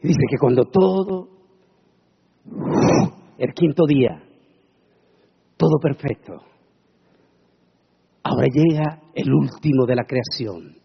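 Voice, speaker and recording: A man preaching a sermon, dramatic and swinging into shouted proclamations. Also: medium pitch, expressive, slow pace, vocal fry, long pauses, slightly rough, muffled recording.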